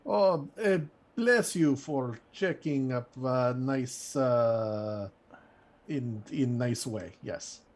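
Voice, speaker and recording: A man playing a folksy blessing-giver, kindly but quick to scold, who talks in quaint, broken phrases in a tabletop game. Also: medium pitch, a little mellow, voice pushed down. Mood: kindly, grateful.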